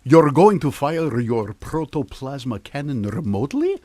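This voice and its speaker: A man's voice: mid-range voice, very animated, a little slow, warm tone, dry recording. A man playing an older mad scientist, droll and exasperated, lecturing with an air of superiority in a comedic radio drama. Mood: skeptical. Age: middle-aged. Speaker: voice actor. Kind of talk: comedic old-time radio drama acting.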